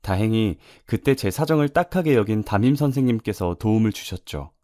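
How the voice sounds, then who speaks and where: A man reading a first-person life story aloud in a steady storytelling manner. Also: fairly low pitch, no echo, studio quality. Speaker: story reader.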